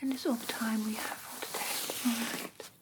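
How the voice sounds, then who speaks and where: A woman voicing a gentle female vampire teacher in an ASMR roleplay, whispering softly and patiently in a breathy voice. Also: on the high side, fairly even intonation, moderate pace, natural voice. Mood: gentle, instructive. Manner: soft, patient, instructive, reassuring. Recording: clearly noisy background.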